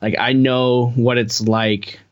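A man's voice: mid-range voice, little pitch movement, slow, smooth. A young man talking as a guest musician on a podcast, rambling casually with a lot of "like" in his sentences. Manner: rambling, heavy use of filler "like".

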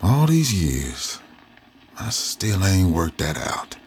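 An actor in an audio drama playing an older man who looks back on his youth, with a husky, drawn-out voice. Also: deep voice, wildly swooping pitch, a little mellow, full character voice. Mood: reflective.

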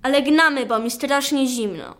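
High-voiced, feisty Silesian girl played by young actress. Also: normal speed, slight background noise, close to an everyday voice. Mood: curious. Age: child or teenager. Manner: feisty, blunt, scolding. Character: Julka, brash, sharp-tongued Silesian girl. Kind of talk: radio play acting.

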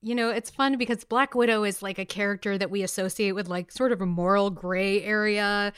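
Very clear-voiced American woman interviewing. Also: medium pitch, fairly even intonation, brisk. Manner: enthusiastic, chatty. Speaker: podcast host, interviewer. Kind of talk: casual upbeat interview.

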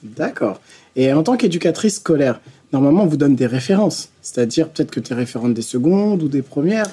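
A man's voice: a little high, big pitch swings, fairly quick, warm tone, husky. A man hosting a podcast, reading a scripted intro and then chatting casually with a guest. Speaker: podcast host. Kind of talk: podcast interview.

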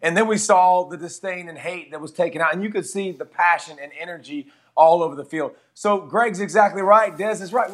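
A man's voice: high-pitched, a little fast, hardly any pauses. A man on a sports panel, energetically agreeing with colleagues and building on their points. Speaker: football analyst. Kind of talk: sports analysis.

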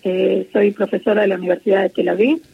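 A middle-aged woman from Argentina with an Argentine Spanish accent, speaking as an interviewee in a phone interview, earnest and measured with many hesitations. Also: mid-range voice, fairly even intonation, gravelly, husky. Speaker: interviewee, peace activist. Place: at home in Israel. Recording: muffled lo-fi phone line.

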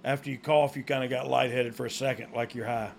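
A man's voice: medium pitch, fairly even intonation, fast, vocal fry. A man co-hosting casual comedic banter in a jokey, self-deprecating way, with some background noise. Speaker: co-host.

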